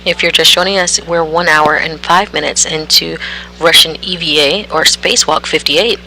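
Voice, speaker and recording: A man giving measured, explanatory live commentary as a broadcast commentator. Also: fairly high pitch, fairly even intonation, gravelly, sharp tone, a little hiss or hum, rough recording.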